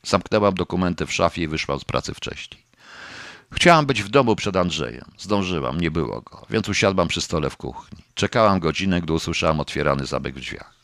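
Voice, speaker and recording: A man narrates a novel in the first person with a very low, steady voice. His delivery is measured and subdued. The recording is close and dry, with no room echo. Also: vocal fry. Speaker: audiobook narrator.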